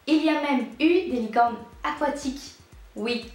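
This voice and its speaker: A woman giving a playful, chatty explainer to her viewers, with quick asides along the way. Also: high-pitched, a little mellow. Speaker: YouTube educator. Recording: echoey room.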